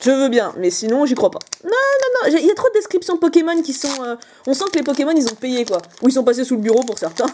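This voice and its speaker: A young woman hosting a casual, excited card-opening video, chatty and jokey. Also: high voice, fast, hardly any pauses, slight background noise. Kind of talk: excited casual unboxing commentary.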